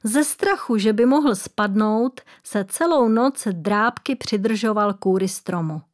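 Female narrator for a children's audiobook; calm, gentle, mid pitch.

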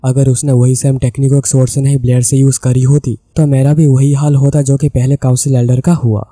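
A man with an Indian accent narrating a comic story recap, voicing the characters' lines in his own steady voice. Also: mid-range voice, brisk, no echo. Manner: steady retelling, reads characters' lines in the same voice. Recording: dry close recording with soft background music.

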